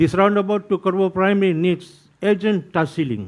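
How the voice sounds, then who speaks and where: A man's high-pitched voice comes through with a quiet background. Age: 60s. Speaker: district advisory councillor. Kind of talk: public question at town hall. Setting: town hall forum. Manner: halting.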